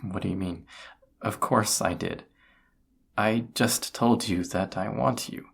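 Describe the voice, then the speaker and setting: A lovestruck young incubus acted by a man in a romantic audio roleplay. He speaks slowly in a deep, husky voice. His delivery is intimate and hesitant, breaking into small stammers as he bares his feelings. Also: steady tone, exaggerated voice. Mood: nervous, confessing. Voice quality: breathy, husky. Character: young male incubus, flustered lovestruck roommate.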